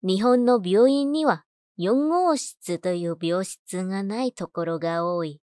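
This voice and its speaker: Female voice-over narrator, mid-pitched, for scripted audiobook reading; dry studio sound. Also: unhurried, dark tone, dry recording.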